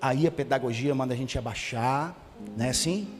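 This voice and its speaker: A man's voice: mid-range voice, moderate pace. Guy preaching in a church, long echo, guitar playing under him. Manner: animated storytelling with quoted family dialogue. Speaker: pastor. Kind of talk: sermon. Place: church sanctuary. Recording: church hall reverb with music behind. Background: guitar music.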